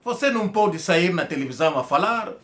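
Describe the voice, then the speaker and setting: Emphatic high-voiced man. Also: animated, a little fast, fairly bright tone. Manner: emphatic, accusatory, repeats words when stumbling. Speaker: political commentator. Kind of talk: impassioned political monologue.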